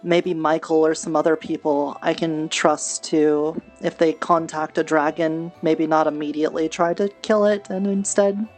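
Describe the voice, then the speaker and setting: Female roleplayer with a slightly low voice, earnest and chatty in character, light music underneath. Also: steady tone, normal speed, few pauses, a little mellow. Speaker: streamer and roleplay player. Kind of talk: improvised in-character fantasy roleplay chat. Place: online virtual reality session.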